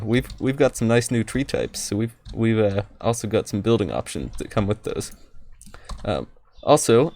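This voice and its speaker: A man giving casual, halting let's play commentary, often repeating words, his speech slightly impeded by wearing retainers. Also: lowish voice, a little mellow. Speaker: gaming video host.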